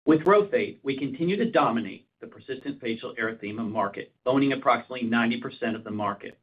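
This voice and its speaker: A man's voice: mid-range voice, expressive, quick pace. A man, a senior executive, reading a scripted commercial update for an earnings call in a formal, businesslike way. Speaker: chief operating officer. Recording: narrowband phone conference line.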